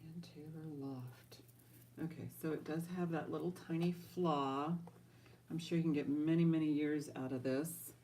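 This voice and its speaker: A woman's voice: deep voice, fairly even intonation, normal speed, dark tone, slight background noise. A woman hosting a casual live-stream jewelry auction, chatting directly to viewers and thinking aloud as she goes. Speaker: online jewelry auction host.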